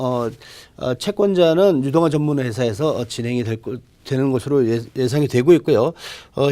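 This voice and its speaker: A man gives unscripted expert advice in a formal, polite register. His voice is mellow and dark-edged yet a little high in pitch. He moves haltingly through explanations, often repeating a phrase before going on. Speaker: real estate expert on a TV advice show.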